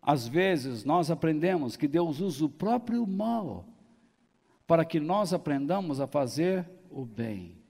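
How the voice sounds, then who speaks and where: A man's voice: on the high side, big pitch swings, slow, vocal fry, darkish tone. A man preaching a sermon as pastor, in a folksy way, joking and acting out the people he quotes. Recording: long hall reverb.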